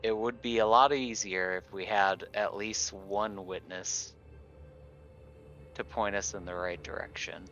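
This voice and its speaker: A man's voice: on the low side, steady tone, unhurried, fairly bright tone, highs cut off, faint music behind. A man playing a tabletop roleplaying game, chatting casually in a wry, playful manner.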